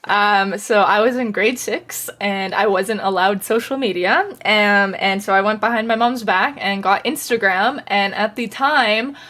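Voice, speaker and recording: A woman's voice: medium pitch, a little slow, few pauses, fairly bright tone. A woman in her early twenties chatting as a podcast guest, joking and laughing often. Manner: giggly, joking. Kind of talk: casual chat.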